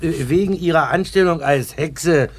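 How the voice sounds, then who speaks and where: An actor playing a drunk, tactless neighbour in a children's audio drama, slurring and rambling haltingly as he swallows his words. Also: on the high side. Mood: tipsy, sheepish. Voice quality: slurred, creaky. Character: drunk, chuckling, tactless but apologetic male neighbour.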